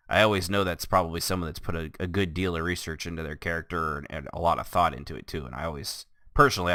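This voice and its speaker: A man hosting a casual gaming podcast, rambling and restarting his sentences, quick to laugh. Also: deep voice, sharp tone, no echo, studio quality. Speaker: podcast host. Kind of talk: casual chat.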